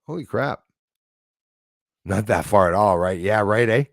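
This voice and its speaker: A man's voice: on the low side, lively intonation, a little slow, gravelly, no echo, clean studio sound. A man from Quebec with a Quebec English accent, hosting a casual livestream and rambling through chat with lots of fillers. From Quebec, Canada. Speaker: livestream host reading chat.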